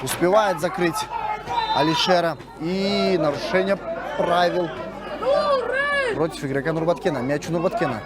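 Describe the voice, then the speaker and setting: A man's voice: fairly high pitch, normal speed, long pauses. A man giving live play-by-play football commentary from an outdoor stadium. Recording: loud crowd and outdoor stadium noise. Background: loud crowd and noise.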